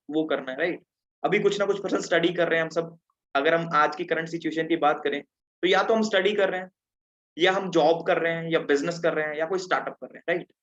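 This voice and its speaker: Teen male presenter from Punjab, slightly high voice, chatty online teacher, muffled video call sound. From Punjab, India. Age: teens. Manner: chatty, checks in with listeners. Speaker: webinar presenter. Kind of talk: interactive online lesson.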